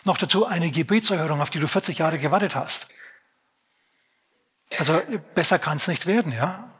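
A man preaching a sermon in a lively, conversational way, speaking straight to the congregation with many rhetorical questions. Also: on the high side, normal speed, slight background noise.

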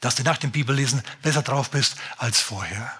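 A man's voice: mid-range voice, fairly quick, sharp tone, slightly rough. A man preaching a sermon as pastor, emphatic and speaking straight to his listeners.

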